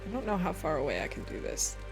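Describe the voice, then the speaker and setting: A woman's voice: fairly low pitch, big pitch swings, fast talker, music in the background. A woman streaming a game, chatting casually and thinking aloud with frequent fillers. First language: English. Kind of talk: casual gaming stream chat.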